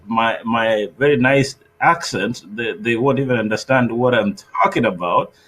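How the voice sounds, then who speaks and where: A man hosting a panel discussion, moderating guests, speaking haltingly with many fillers. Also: medium pitch, fairly bright tone. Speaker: host, moderator.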